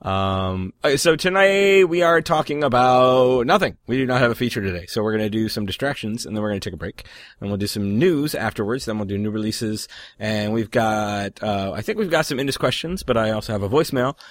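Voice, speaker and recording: Male podcast host, mid-pitched and animated, casual banter, dry recording. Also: a little fast, dry recording. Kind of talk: casual chat among friends.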